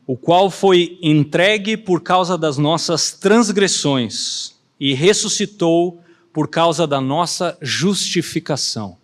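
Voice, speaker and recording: A man in a church interpreting a sermon phrase by phrase, talking quickly and sometimes restarting as he looks for words. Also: on the high side.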